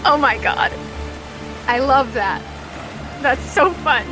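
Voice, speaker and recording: A woman's voice: sits high, slow, music in the background, low-quality recording. A woman game master improvising casual, conversational narration for a tabletop game, often saying "like". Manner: conversational, peppered with "like".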